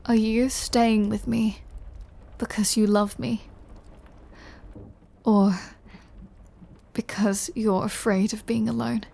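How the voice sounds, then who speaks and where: Slow, mellow, ancient vampire woman acted by a woman. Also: on the high side, flat delivery, gravelly, heavily acted. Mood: brooding, honest. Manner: slow, soft, confiding, often dropping to a whisper. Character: centuries-old female vampire lover, tender, brooding, teasing. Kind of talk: intimate scripted audio roleplay monologue.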